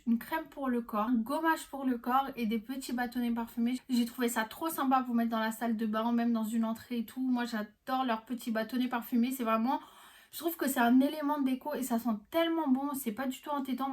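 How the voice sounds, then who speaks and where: A young woman vlogging casually, chatty and enthusiastic, with many fillers and restarts. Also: on the high side. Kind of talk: casual gift-guide vlog.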